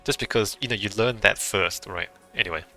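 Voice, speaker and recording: A man's voice: lowish voice, brisk, sharp tone, faint music behind. A man whose first language is Cantonese, chatting casually as he plays a video game and thinks aloud. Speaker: game streamer. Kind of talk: casual let's-play commentary.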